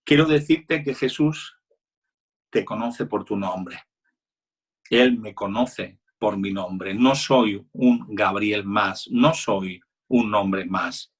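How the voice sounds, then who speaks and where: Husky-voiced male pastor preaching. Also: lowish voice, slow pace. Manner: earnest preaching, retelling Bible scenes with quoted dialogue. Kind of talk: sermon.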